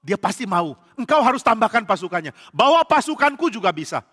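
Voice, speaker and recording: A preacher doing the earnest young prince Yonatan. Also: male voice, high voice, big pitch swings, fairly quick, voice pushed up, heavily acted. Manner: soft, questioning, earnest. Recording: church hall reverb.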